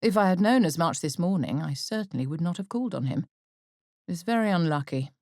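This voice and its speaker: A woman voicing a sardonic, reserved middle-aged father in an audiobook, dry, deliberate and mock-courteous. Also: on the low side, animated, darkish tone, no echo. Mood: mock serious. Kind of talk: audiobook character acting.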